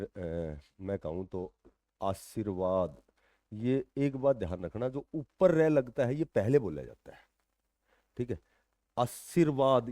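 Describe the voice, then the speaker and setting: Slow, dry-voiced male coaching teacher. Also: mid-range voice, mellow, no room sound. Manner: slow, drawn-out dictation with repeated checks. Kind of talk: exam coaching lesson.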